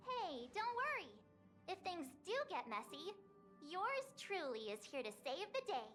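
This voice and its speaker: Super high perky teen girl, bubbly, swoopy pitch, anime game style. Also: sing-song, a little slow, a bit bright, soft background music, full character voice. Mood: cheeky, confident. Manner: bubbly, eager. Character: perky, loyal, playful teenage girl adventurer.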